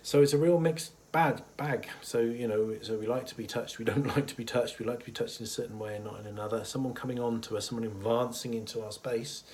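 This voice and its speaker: A man with a cold and a husky voice, talking casually and thoughtfully to camera about a mental health topic, pausing often with fillers. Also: medium pitch, fairly even intonation, a little hiss or hum. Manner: thoughtful, hesitant with many fillers, chuckles softly. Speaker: therapist. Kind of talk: casual educational talk to camera.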